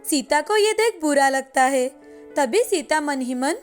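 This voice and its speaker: A woman narrating an animated moral story in an even, explanatory storybook manner. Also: sits high, unhurried, soft background music.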